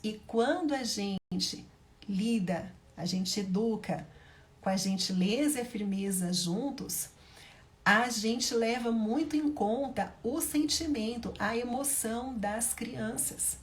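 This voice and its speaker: A Brazilian woman with a somewhat high voice talks straight to her viewers about raising children. She is emphatic, repeats her key points for weight and calls on the audience directly. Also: slow pace. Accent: Brazilian Portuguese. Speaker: parenting educator and mother. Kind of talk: direct-to-camera parenting advice talk.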